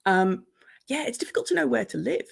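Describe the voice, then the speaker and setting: A middle-aged woman with an English accent, a coach talking as a podcast guest, animated and thoughtful. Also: a little high, brisk, gravelly, husky. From Irish, grew up in Pakistan and Nigeria. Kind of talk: casual conversational interview. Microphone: video call.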